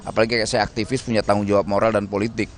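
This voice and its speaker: A man's voice: on the low side, level tone, rapid-fire, slight background noise. A man answering reporters in casual, blunt, joking slang at a doorstop interview. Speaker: political appointee speaking to press.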